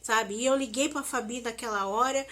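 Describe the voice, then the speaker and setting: A woman's voice: a little high, normal speed, fairly bright tone. A woman, talking emotionally and repetitively straight to her viewers in a confessional vlog. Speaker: vlogger.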